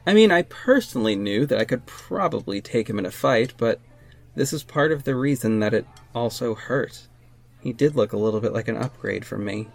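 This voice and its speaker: A man's voice: mid-range voice, lively intonation, normal speed, gravelly. An actor playing a hurt young gay man who narrates and speaks in an audio drama, earnest and emotional. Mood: somber narrating. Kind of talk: audio drama acting and first-person narration.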